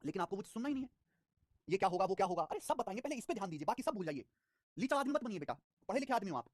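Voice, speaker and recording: Fast-talking lively male math teacher. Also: high-pitched, no echo, studio quality. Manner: fast, lively, repeats digits and phrases; scolds students with life advice. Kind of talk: live online math class.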